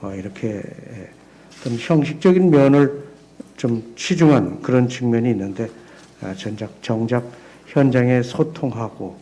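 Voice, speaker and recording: Mellow-voiced man giving formal remarks. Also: mid-range voice. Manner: measured, frequent hesitation fillers. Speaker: opening speaker at a policy seminar. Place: seminar hall.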